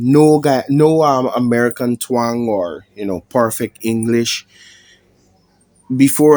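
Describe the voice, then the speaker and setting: A man with a Guyanese accent at a very slow pace, in a very clean recording with a silent background. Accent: full Guyanese. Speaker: MMA YouTuber, fight analyst. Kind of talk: casual vlog commentary.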